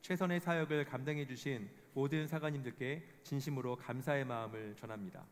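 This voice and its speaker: A man giving a formal scripted report, reading statistics in a measured way. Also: mid-range voice, a little hiss or hum. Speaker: presenter of a report. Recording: long hall reverb.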